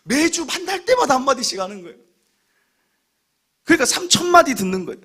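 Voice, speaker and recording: A man in his thirties preaches a sermon as a pastor, voice pitched high and swinging widely as he tells humorous stories. He acts out the remarks of others along the way. His tone is bright and sharp, with a husky edge. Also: a little fast. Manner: animated, humorous storytelling.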